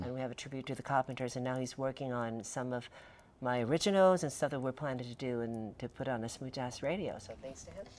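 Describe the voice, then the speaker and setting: A woman with a very deep, low pitch talks at a very fast pace with ordinary pitch variation. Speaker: singer. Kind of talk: interview answer.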